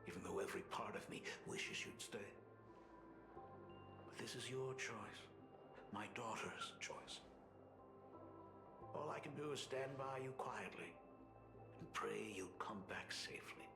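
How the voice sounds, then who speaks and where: An actor playing a solemn, tender middle-aged father, an artist and academy dean in a video game, with a gravelly, breathy, measured and softly spoken voice. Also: on the low side, lively intonation. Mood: resigned, tender. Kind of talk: dramatic game voice acting. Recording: slightly reverberant, music underneath. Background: background music.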